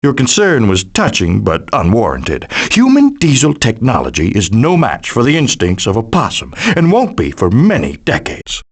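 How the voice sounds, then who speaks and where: A man's voice: on the low side, huge pitch swings, normal speed, hardly any pauses, slightly rough, heavily acted. A man voicing a melodramatic, doting father possum in a cartoon video game, with a pompous, theatrical, declamatory manner. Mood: pompous, grandiose. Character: melodramatic, hammy male possum, doting middle-aged father. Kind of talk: animated video game voice acting.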